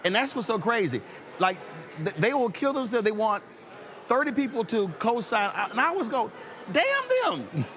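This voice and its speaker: A man in his fifties hosting an interview, telling stories in an animated way and repeating "I said" as he acts out conversations. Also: high-pitched, normal speed, a little hiss or hum. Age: 50s. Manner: animated storyteller, repeats "I said" while acting out exchanges. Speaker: host. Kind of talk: casual interview chat.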